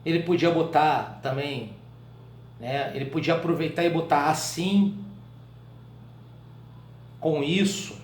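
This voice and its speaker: A Brazilian man with a fairly high voice teaches a writing class. He talks in a loose, colloquial way and keeps tossing quick check-in questions to his students. The sound is echoey, as if from a bare room. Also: a little hiss or hum. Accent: Brazilian Portuguese. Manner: colloquial, animated explaining. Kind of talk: live online writing class.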